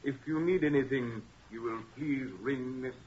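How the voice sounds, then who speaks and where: An actor playing a formal, evasive butler in 1940s radio style, stiffly deferential and hesitant. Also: male voice, mid-range voice, normal speed, a little mellow, lightly acted. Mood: stiff, uneasy. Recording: noisy, muffled 1940s radio recording.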